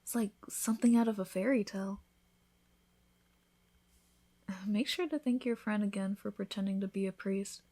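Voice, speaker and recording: A woman voicing an affectionate, teasing newlywed vampire in an intimate, soft-spoken ASMR roleplay, with tender, breathy delivery. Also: mid-range voice, a little fast, close to an everyday voice. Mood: happy, loving.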